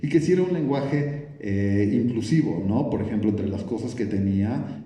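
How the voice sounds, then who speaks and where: A man's voice: medium pitch, lively intonation, moderate pace, mellow. A man, a film director, answering at a press conference, thinking aloud with many restarts. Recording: echoey room, from a distance.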